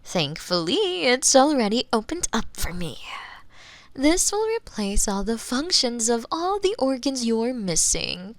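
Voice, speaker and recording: A woman playing a smug, menacing female mad scientist in a theatrical ASMR roleplay, condescending and sometimes breathy, close on a binaural microphone. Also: fairly high pitch, dry recording, full character voice. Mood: clinical, absorbed. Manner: theatrical, condescending, sighing, slipping into breathy whispers. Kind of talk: roleplay ASMR monologue, spoken to the listener.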